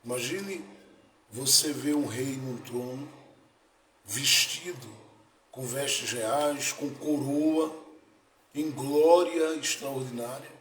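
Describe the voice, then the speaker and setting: A male pastor preaching a sermon, moving between soft lines and loud, dramatic ones. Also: mid-range voice, slow, pauses often, a little hiss or hum. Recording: echoey room with faint ambience.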